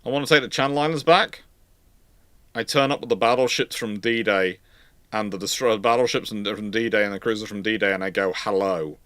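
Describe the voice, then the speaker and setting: A man's voice: fairly low pitch, moderate pace, a bit bright, dry recording. A man hosting a casual live history question-and-answer talk, thinking aloud in a conversational way and posing questions to himself. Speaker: host, naval historian.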